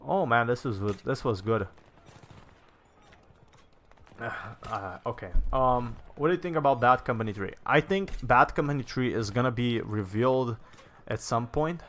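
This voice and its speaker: Young male streamer from Slovenia, mid-pitched, loose and rambling, heavy on fillers, easy chat with viewers. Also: fairly bright tone. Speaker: gaming streamer. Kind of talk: casual livestream chat, answering viewer comments.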